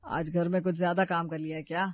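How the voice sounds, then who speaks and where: A calm, joking young husband from an animated story, voiced by a woman. He talks relaxed and soothing, a little lower. Dry, dull sound. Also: fast talker, no room sound, lightly acted.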